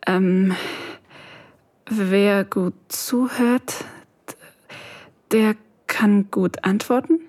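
A nervous, yearning young student narrates in the first person in soft, breathy whispers. She speaks slowly into a close, dry mic for an intimate audio drama. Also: medium pitch, no room sound. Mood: hesitant.

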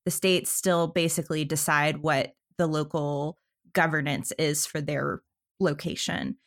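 A woman co-hosts a podcast and asks her guests questions in an engaged, conversational way. Her voice sits somewhat low for a woman. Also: steady tone, unhurried. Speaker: podcast co-host. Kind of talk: interview hosting.

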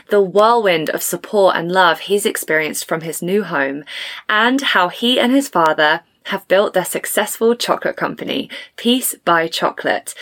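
An upbeat English woman from England hosting a podcast, a little hoarse from a head cold. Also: lowish voice, a bit bright. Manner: upbeat and eager. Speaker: podcast host. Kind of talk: podcast intro and interview chat.

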